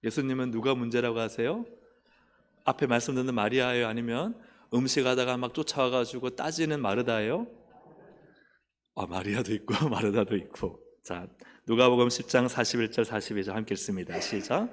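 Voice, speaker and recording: A man's voice: medium pitch, brisk. Pastor guy preaching, keeps quizzing the pews, church hall echo all over it. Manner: animated preaching, asks the congregation questions. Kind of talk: sermon. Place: church sanctuary. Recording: long church hall reverb.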